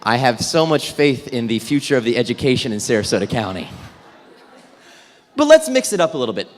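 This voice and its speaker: A man facilitating a theatre warm-up exercise for a room of people, upbeat and jokey as he gives instructions. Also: on the high side. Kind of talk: leading a group warm-up exercise for an audience. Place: large indoor event room with tables. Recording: echoey hall with long reverb.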